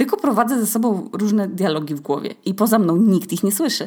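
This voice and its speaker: Her tone is animated and her intonation lively. The woman speaks at a medium pitch. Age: 20s. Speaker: podcaster. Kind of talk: casual monologue.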